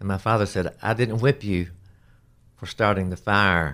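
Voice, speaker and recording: Very deep and low in pitch, a man with a Southern US accent speaks at a moderate pace in a bright, sharp tone with ordinary pitch variation, in a very clean recording with a silent background. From North Carolina. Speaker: record producer. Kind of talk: interview. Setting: conference room.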